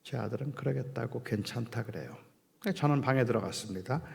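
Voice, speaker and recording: Earnest, gravelly-voiced middle-aged male pastor. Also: mid-range voice, big-room sound. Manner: earnest and heartfelt, often dropping soft and hushed. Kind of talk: sermon with personal storytelling.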